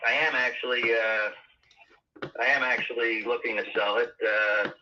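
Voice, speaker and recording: A man's voice: mid-range voice, fairly even intonation, a little slow, pushed and bright, slight background noise. A man selling his house talks on a phone call, hesitant and full of fillers and restarts. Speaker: home seller on a call. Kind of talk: phone conversation. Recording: tinny phone line.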